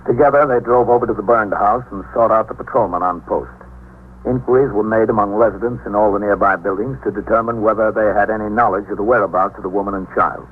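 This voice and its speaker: Measured, fatherly captain, voiced by an actor; low voice, phone-thin old broadcast. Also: fairly even intonation, close to an everyday voice. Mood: steady. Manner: measured, deliberate. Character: calm, fatherly precinct captain. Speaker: narrator and police captain. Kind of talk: 1950s radio drama acting. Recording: tinny old radio broadcast with faint hiss.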